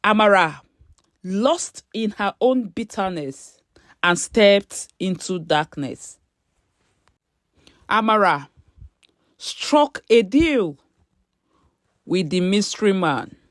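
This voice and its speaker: A woman tells a dramatic scripted story at a slow pace. She places her phrases deliberately, in short pieces. The recording is dry, with no audible room. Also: medium pitch, lively intonation, no room sound.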